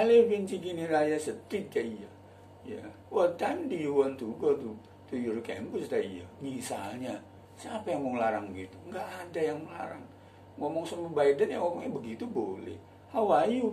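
A man's voice: medium pitch, darkish tone, a little hiss or hum. A man giving a casual spoken English lesson, chatty and repetitive, often stopping to apologize and address his listeners as friends. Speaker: English teacher. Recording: roomy echo, mic at a distance, faint ambience.

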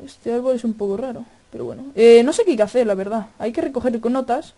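A male gaming YouTuber with a Spain Spanish accent, doing excitable horror let's-play commentary at a desk microphone, swearing often and yelling at scares. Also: extremely high pitch, fast talker. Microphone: desk microphone at a computer.

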